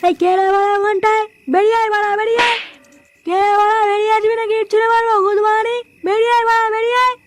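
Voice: extremely high pitch, little pitch movement, rapid-fire, slight background noise. A performer voicing a brash, hot-tempered, foul-mouthed young man in a comic cartoon. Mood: challenging. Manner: brash, swearing, scolding.

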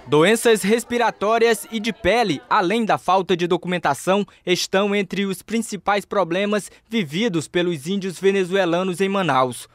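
A man reporting for TV news in a steady, scripted voice-over. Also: high-pitched, normal speed, hardly any pauses, no room sound.

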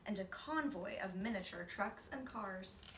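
Bright-voiced young woman reading a storybook. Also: mid-range voice, animated, a little slow, far from the mic. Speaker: storybook reader. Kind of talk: expressive children's read-aloud. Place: small indoor room, seated. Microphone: camera a few feet away. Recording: roomy, off-mic, faint noise.

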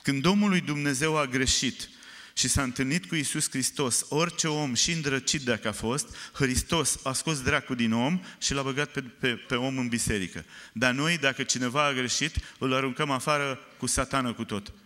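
A man preaching a sermon, telling stories with animated, often loud emphasis, recorded in a church. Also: medium pitch. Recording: reverberant church hall.

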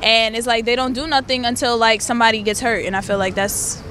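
Bright, blunt New woman. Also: fairly high pitch, steady tone, a little fast, slight background noise. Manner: colloquial, blunt. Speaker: passerby interviewee. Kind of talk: casual street opinion. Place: outdoors on a busy city sidewalk. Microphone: handheld interview mic. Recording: busy city street ambience.

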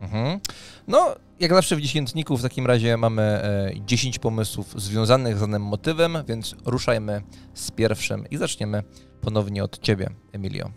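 Gravelly man hosting over music. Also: fairly low pitch, normal speed. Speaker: co-host. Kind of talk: podcast hosting and discussion. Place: indoors, small dim home studio. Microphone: close studio microphone on an arm, headset.

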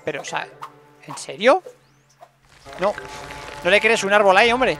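Creaky high-voiced gamer man. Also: expressive, a little slow, sharp tone, soft background music. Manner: chatty, talks to his game characters. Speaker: gameplay streamer. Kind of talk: casual let's play commentary.

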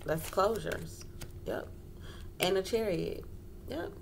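With a medium-pitched voice, a woman takes it slowly while hosting a casual tarot reading at a wooden table indoors. She talks informally, repeating phrases and checking in often, in a clearly noisy home recording.

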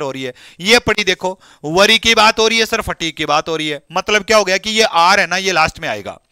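Lively bright-voiced teacher. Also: male voice, high voice, clear, resonant tone, dry recording, studio quality. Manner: lively, coaxing, talks to students by name. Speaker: English exam teacher. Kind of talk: live online class.

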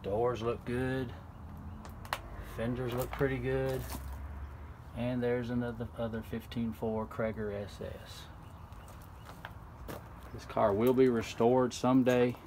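A man's voice: medium pitch, little pitch movement, slow, pauses often. A man casually narrating a walkaround video outdoors beside a house, rambling and restarting as he goes. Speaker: car video host. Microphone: handheld camera, speaker off screen. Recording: outdoor video with clear background noise.

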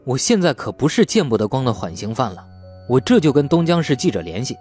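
A man's voice: medium pitch, sing-song, fast talker, a little mellow, faint music behind, close to an everyday voice. A man voicing an aggrieved, defiant young man in an audiobook, argumentative and sarcastic. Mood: threatening. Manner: indignant, argumentative.

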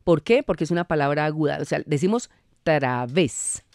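A woman's voice: deep voice, expressive, moderate pace, a little mellow, no room sound. A Colombian woman explaining spelling rules patiently as a guest on a radio show, speaking in a studio. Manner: patient, didactic, laughs easily.

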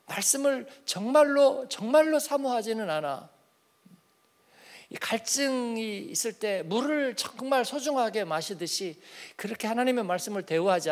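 Pastor guy with a fairly high voice, early morning sermon, chatty, keeps asking the church stuff and acting out little talks. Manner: conversational, acts out little dialogues, asks the congregation questions.

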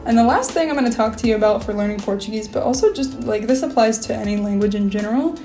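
A woman's voice: on the high side, fast, soft background music. A young woman in her twenties vlogging casually from a bedroom, chatty and full of fillers, gesturing as she talks to the camera. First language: English. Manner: chatty, lots of fillers, animated hand gestures. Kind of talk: casual talking-head vlog. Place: small bedroom, indoors.

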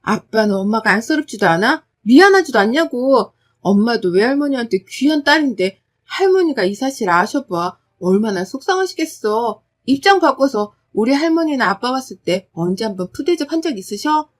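A woman's voice: on the high side, very animated, moderate pace, few pauses. A woman voicing a bold, outspoken teenage daughter who talks back sharply. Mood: defiant.

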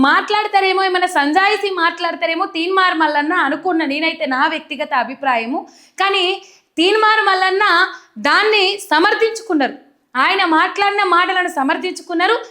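A woman's voice: extremely high pitch, sharp tone. A young woman from Telangana with a Telangana Telugu accent, giving earnest, emphatic political commentary straight to camera. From Telangana, India.

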